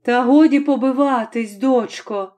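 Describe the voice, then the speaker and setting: Brief: soothing old father-in-law in a storybook, low and tired, read by a woman, mellow tone. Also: measured pace. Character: old peasant father-in-law, weary and gentle.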